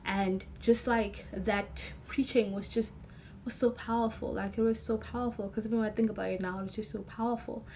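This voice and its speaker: A young woman with a hoarse, nearly lost voice, talking excitedly and rambling with many fillers in a casual vlog. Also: mid-range voice, slight background noise. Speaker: vlogger.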